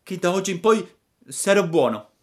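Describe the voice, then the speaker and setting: A man's voice: sits high, lively intonation, moderate pace, a bit bright, pitched above the performer's own voice. A man voicing a cheeky, whining wooden puppet boy who sobs and pleads. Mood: pleading. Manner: whiny, sobbing, pleading.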